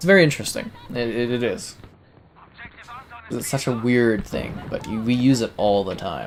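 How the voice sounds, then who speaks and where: Someone with a slight Canadian accent speaks at a moderate pace with lively intonation. Long, frequent pauses stand out over noticeable background noise. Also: man, medium pitch for a man. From Canada. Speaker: gaming streamer and reviewer. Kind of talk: live gameplay stream chat. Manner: casual, conversational.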